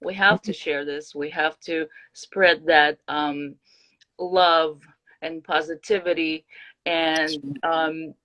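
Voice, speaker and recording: A woman from Kazakhstan talking casually as an interview guest, earnest and halting as she searches for words. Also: low voice, steady tone, pushed and bright, poor audio. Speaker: guest singer-songwriter.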